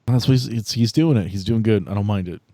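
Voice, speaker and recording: A man with a fairly low voice talks as game master of a tabletop game. He moves between casual rulings and narration of the action. The sound is close and dry, with very little room to it. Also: quick pace, mellow, no room sound.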